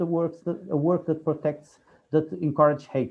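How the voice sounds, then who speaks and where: A man is speaking. He talks with a Portuguese accent. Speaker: law professor. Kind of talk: panel discussion answer. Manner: halting.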